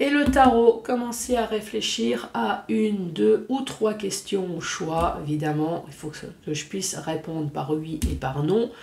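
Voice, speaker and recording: This woman talks very slowly, her pitch making very wide swings. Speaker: tarot card reader. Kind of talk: tarot reading. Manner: halting.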